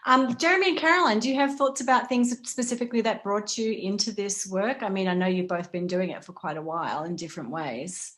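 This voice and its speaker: A woman's voice: medium pitch, a little fast, few pauses, fairly bright tone. A woman with a mid-range voice moderates an informal panel discussion. She talks in a chatty way, working through her thoughts aloud as she goes.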